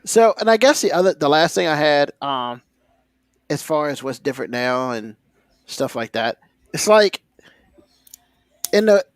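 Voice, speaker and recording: A man's voice: fairly high pitch, dry recording, clean studio sound. A man hosting a podcast in casual, conversational talk. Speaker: podcast host.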